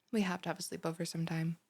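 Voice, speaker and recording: A woman's voice: fairly low pitch, a bit bright, husky. A young woman playing a bubbly, ditzy, easily offended student who gushes and rambles in a one-sided audio roleplay. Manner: gushing, rambling, dramatic gasps and sighs.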